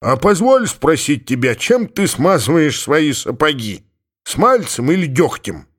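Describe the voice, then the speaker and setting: A pompous older village head caught in an embarrassing spot, put on by a man reading a storybook. His voice rises higher and stretches slowly, strained and awkward. He sounds self-important yet flustered. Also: sing-song, breathy edge, exaggerated voice.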